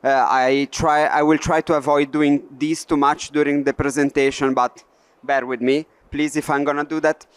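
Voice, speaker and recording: A man's voice: a little high, level tone, normal speed, clean tone, no echo. A man from Italy with an Italian accent, presenting a live workshop demo on a trade fair stage, hesitant with frequent fillers. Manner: hesitant, many "uh" fillers, non-native phrasing.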